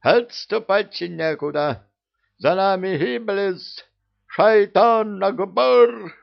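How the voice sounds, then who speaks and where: A man's voice: on the high side, wildly swooping pitch, very slow, gravelly, lo-fi sound, pitched above the performer's own voice, full character voice. A man reading an audiobook voices an irritable, bossy male genie vizier who barks and scolds. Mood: rallying. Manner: barking, scolding.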